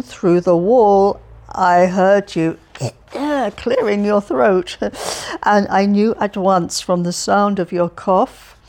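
A woman's voice: mid-range voice, darkish tone. A woman voicing a chatty cheerful old man. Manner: rambling, stumbling, relentlessly upbeat. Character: cheerful chatty elderly man, tiresome and friendly. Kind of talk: audiobook character reading.

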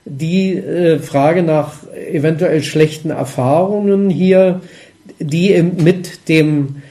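A man interviewing a guest in a relaxed conversation, speaking in a thoughtful, measured way. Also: a little high. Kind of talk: casual interview talk.

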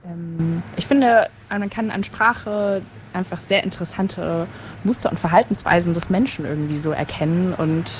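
A young woman, a linguistics student, talking thoughtfully in a casual podcast chat, pausing often with fillers. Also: fairly low pitch. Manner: thoughtful, hesitant with many fillers. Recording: noticeable background noise.

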